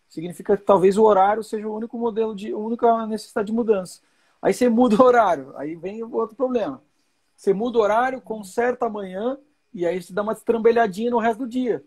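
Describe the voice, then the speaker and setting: A man in his forties hosts a live chat, explaining things reassuringly and repeating the key points. His high-pitched voice moves at a quick pace, with a darkish tone and a breathy edge.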